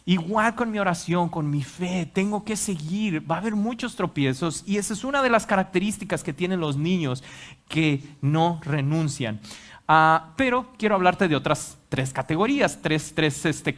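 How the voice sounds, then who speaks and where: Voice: mid-range voice, normal speed. A preacher giving a live sermon to a congregation, acting out quotes and asking the audience questions. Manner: animated, acts out quotes, asks the audience questions. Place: church hall with a congregation.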